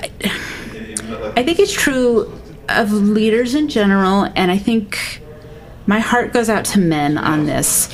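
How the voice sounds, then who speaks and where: Woman, middle-aged, counselor, podcast guest, earnest, mid pitch. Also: slow pace, pauses often, slight background noise. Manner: earnest, acts out quoted speech in lively voices. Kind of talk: podcast interview.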